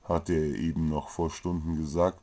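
A man's voice: extremely low pitch, little pitch movement, moderate pace, dark tone. A man narrating a comic fantasy story from a script.

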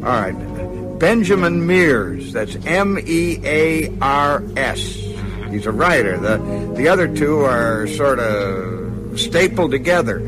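A small-town constable in a radio play. He talks in a folksy, halting way, with a lively rise and fall to a medium-pitched voice. Music plays behind him. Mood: businesslike. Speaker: radio drama actor. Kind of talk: radio drama dialogue.

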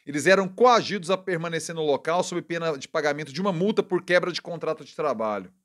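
A Brazilian man delivers pointed political commentary in a fairly high voice. He rattles on fast, wry and indignant, catching and fixing his own slips as he goes. His talk stays casual and direct throughout. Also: expressive, a bit bright. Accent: Brazilian Portuguese. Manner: indignant, wry, talks fast with self-corrections.

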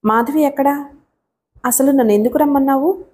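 A woman's voice: sits high, normal speed, mellow, pitched above the performer's own voice, lightly acted. The speaker, a woman reading her as a frightened pleading wife. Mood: fearful. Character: frightened, desperate young wife and mother. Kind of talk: audiobook character reading.

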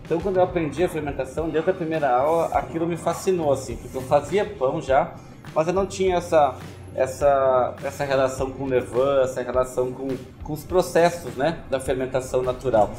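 A man in his thirties with a Brazilian accent, a baker gently explaining bread-making steps in a cooking lesson in a bakery kitchen. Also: mid-range voice, brisk, soft background music. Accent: Brazilian Portuguese. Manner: explanatory, gentle, many "né" and "assim" tags. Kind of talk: cooking demonstration.

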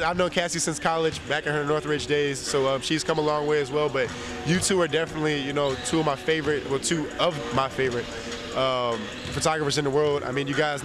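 A young man speaking as an interview guest in an empty indoor arena, slightly nasal from a cold, easygoing and rambling into a handheld mic. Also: on the high side. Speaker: interview guest, basketball player. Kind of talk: casual interview chat.

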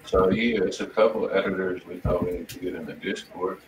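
A man's voice: sits low, a little fast. A man hosting a music review stream in casual chat, slangy and profane. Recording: roomy, distant mic, faint noise.

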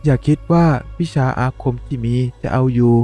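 A man voicing a fierce young village woman who shouts sharp commands. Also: mid-range voice, very slow, soft background music, pitched above the performer's own voice.

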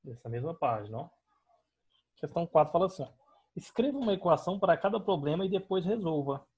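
A man's voice: fairly high pitch, lively intonation, quick pace, a little mellow, husky, dull audio. A young Brazilian man teaching a math class over a screen recording, explaining each step patiently and often checking in with his students. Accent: Brazilian Portuguese. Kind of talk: online math class explaining on a digital board.

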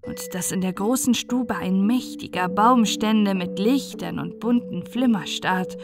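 A woman's voice: mid-range voice, unhurried. A woman reading a scripted storybook tale as a narrator, in a bedtime audiobook style. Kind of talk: scripted storybook narration for relaxing and falling asleep. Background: music.

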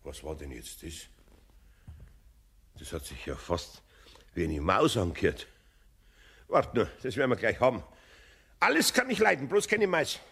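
A man's voice: lowish voice, big pitch swings, unhurried, creaky, long pauses, a bit bright, slightly rough, heavily acted. A man playing a grumbling but good-natured older master carpenter with a Bavarian accent in an audio drama. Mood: puzzled, startled. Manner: muttering to himself, exclaiming.

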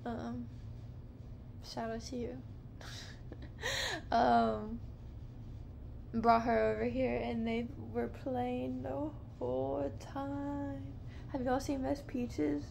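Sitting in a dim living room at night, a woman in her thirties hosts her podcast alone, wandering slowly through soft-spoken casual talk with plenty of fillers. A camera close by, handheld or on a low stand, records her slightly high, creaky voice along with some background noise.

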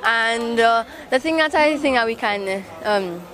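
Young woman, hesitant, slightly high voice, street mic. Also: animated, measured pace, a bit bright. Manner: hesitant, with fillers. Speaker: street interviewee. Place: outdoor town street. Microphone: handheld mic.

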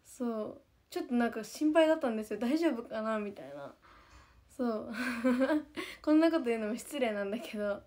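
Young female idol, casual chatty talk, higher mellow voice, giggly and repetitive. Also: expressive, a little fast. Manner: chatty, giggly, repeats herself a lot. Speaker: idol group member. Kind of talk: casual chat to viewers.

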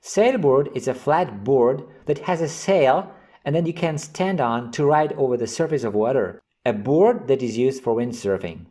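A man hosting an English vocabulary lesson, reading example sentences and definitions slowly and clearly. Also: mid-range voice, animated, warm tone. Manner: slow, carefully enunciated reading of example sentences. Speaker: English teacher.

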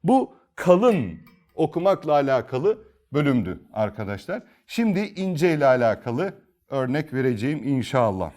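Man, Quran recitation teacher, animated sing-song delivery, asks and answers his own questions, repetitive step-by-step lesson. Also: medium pitch. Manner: asks questions and answers them himself, repeats rules slowly.

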